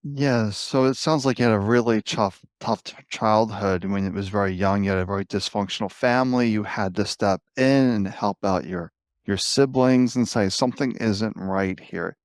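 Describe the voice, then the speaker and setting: A man's voice: lowish voice, moderate pace, clear, resonant tone, no room sound, clean studio sound. A man hosting an interview, sympathetically recapping his guest's story and asking follow-up questions. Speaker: podcast host.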